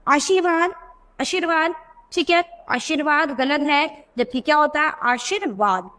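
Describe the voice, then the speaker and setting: A woman's voice: high voice, animated, measured pace, fairly bright tone. A woman teacher giving a grammar lesson to young schoolchildren, explaining patiently, repeating each word and asking the class questions.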